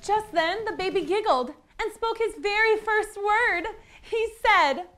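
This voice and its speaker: A woman's voice: very high-pitched, unhurried, a bit bright. A woman hosting children's stories, narrating a fairytale in the first person with playful, comic, theatrical asides. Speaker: children's story host. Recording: music behind the voice.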